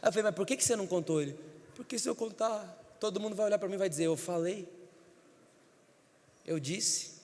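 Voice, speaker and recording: A man's voice: sits high, a little fast, pauses often, darkish tone. A man, a pastor, preaching an emphatic storytelling sermon in a church. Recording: church hall reverb.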